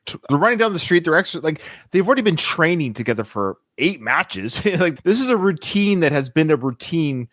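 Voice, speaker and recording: A man's voice: a little high, a little fast, few pauses, no echo, clean studio sound. A man co-hosting a podcast, chatting casually about a movie as he watches it and acting out quoted lines. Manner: animated, acts out quoted lines. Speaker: podcast co-host. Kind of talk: casual film commentary chat.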